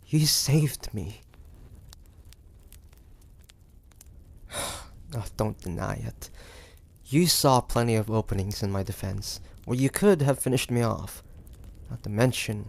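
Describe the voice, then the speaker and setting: Man acting a slow-talking, gravelly, proud demon hunter. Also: medium pitch, darkish tone. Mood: incredulous, accusing. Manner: halting, breathy sighs, indignant then grudging. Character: proud, wary, sardonic 1850s demon hunter, adult man. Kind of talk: intimate dramatic audio roleplay to the listener.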